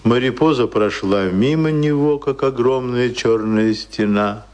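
A man's voice: mid-range voice, a little slow, a little mellow. A man narrating a radio play in a scripted, literary style.

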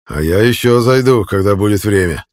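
A man voicing a brutal male captor who taunts slowly and menacingly. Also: on the low side, expressive, a little mellow, lightly acted. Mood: taunting.

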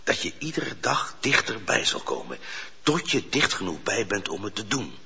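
Humble, husky, deep-voiced poacher. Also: male voice, big pitch swings, moderate pace, bright, forceful tone, heavily acted. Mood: earnest, explaining. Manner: deferential, explaining patiently and insistently. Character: humble, earnest male poacher held prisoner. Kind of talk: Dutch radio drama acting. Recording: muffled, reverberant radio drama recording.

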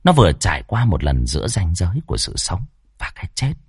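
A man's voice: low voice, big pitch swings, brisk, husky, no echo, studio quality. A man telling a horror story in a vivid, dramatic narrating voice.

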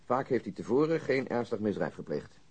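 Dry, husky methodical police detective. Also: male voice, mid-range voice, sing-song, a little mellow. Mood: dry, factual. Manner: matter-of-fact, measured, reciting. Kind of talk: radio drama acting.

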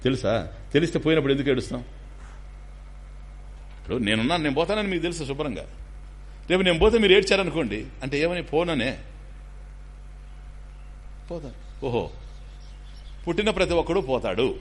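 A man giving a spiritual discourse, animated and acting out little dialogues while explaining terms. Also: a little high, fairly quick, long pauses, breathy edge. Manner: animated, acts out dialogues, mixes in English terms. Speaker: spiritual teacher.

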